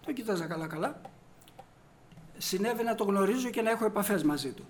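A man's voice: high voice, lively intonation. A man preaching a sermon, telling anecdotes and acting out the dialogue, rising to emphatic peaks. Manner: storytelling, acts out dialogue, rises to emphatic peaks.

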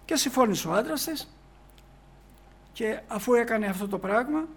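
Guy with a pretty high voice giving a sermon, tells the bible story like a chat, keeps slipping in "he says". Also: expressive, slightly rough. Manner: reads archaic scripture slowly, then explains it plainly. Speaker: preacher.

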